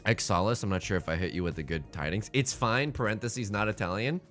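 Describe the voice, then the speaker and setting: A man streaming live, chatting casually with viewers in an animated, jokey way, often restarting and repeating his words. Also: lowish voice, brisk, soft background music.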